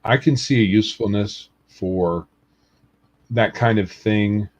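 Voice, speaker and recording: A man's voice: fairly low pitch, takes it slowly, darkish tone. A man on a gaming podcast speaking casually, hesitant and full of ums. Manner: hesitant, many fillers. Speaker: podcast co-host. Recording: dull lo-fi audio.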